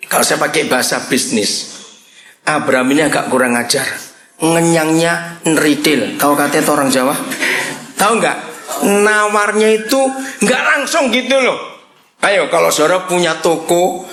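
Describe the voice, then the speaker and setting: A man preaching a sermon, joking with the congregation in an animated, teasing way. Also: on the high side. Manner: animated and joking, mixes in Javanese words. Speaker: pastor. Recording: roomy hall sound.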